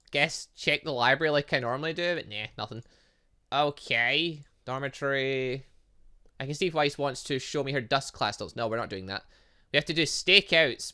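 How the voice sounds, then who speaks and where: Animated, bright-voiced man doing game commentary. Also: medium pitch. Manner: rambling, thinking out loud. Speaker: gaming channel host. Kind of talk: gaming let's play commentary, reading visual novel text aloud with asides.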